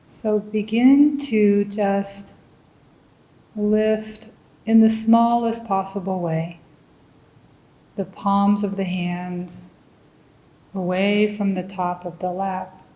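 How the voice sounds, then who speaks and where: A woman leading a guided meditation as a teacher, speaking gently and deliberately in short phrases with long pauses. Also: mid-range voice, steady tone, roomy sound, low-quality recording.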